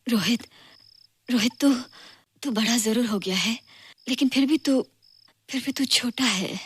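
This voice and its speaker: A middle-aged actress playing a gentle mother who soothes and coaxes her grown son. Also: fairly high pitch, a little slow, husky. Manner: soothing, coaxing. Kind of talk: Hindi film dialogue.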